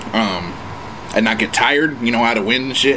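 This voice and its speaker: Amid noticeable background noise, a man talks with an American accent. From Stockton, California. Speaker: mukbang YouTuber. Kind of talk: casual storytime while eating. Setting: home recording for video. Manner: casual, filler-heavy slang. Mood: relaxed, laid-back. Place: home room. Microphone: webcam.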